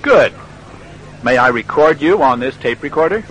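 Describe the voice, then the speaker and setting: An actor playing a friendly radio reporter in a scripted language-lesson dialogue, speaking clearly and patiently. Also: male voice, a little high, animated, normal speed, a bit bright, poor audio. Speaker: interviewer.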